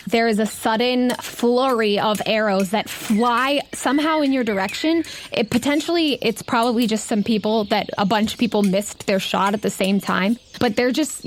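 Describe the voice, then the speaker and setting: A woman's voice: fairly high pitch, slight background noise. A woman narrating a tabletop roleplaying game as game master, describing scenes in a conversational, improvised way.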